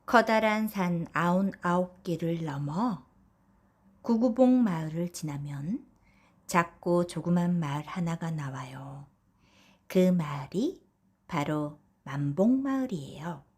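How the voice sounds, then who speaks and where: Soft-voiced woman telling a bedtime folktale. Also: lowish voice, animated, slow pace, breathy edge. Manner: soft storytelling tone addressed to children. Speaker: audiobook narrator. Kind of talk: gentle bedtime folktale narration.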